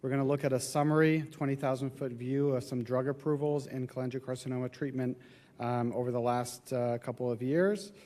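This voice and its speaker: A man with a nasal voice from a cold, giving a halting conference presentation as a medical oncologist. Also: medium pitch, little pitch movement, darkish tone. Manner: halting, many filler sounds. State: getting over a cold. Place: conference venue.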